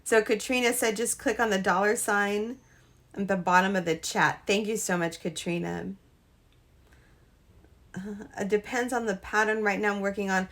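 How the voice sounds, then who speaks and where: A woman hosting a casual live crochet stream, chatting with viewers, her voice a little hoarse from a cold. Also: mid-range voice, fairly even intonation, normal speed, fairly bright tone. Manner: chatty, greets viewers, trails off and restarts. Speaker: crochet livestream host.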